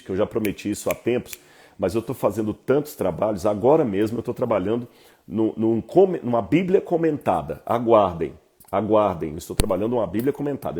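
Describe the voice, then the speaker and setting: A man with a Brazilian Portuguese accent giving an informal Bible lesson, lecturing in a lively, conversational way with asides to his viewers. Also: fairly low pitch, slightly rough. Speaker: Bible teacher.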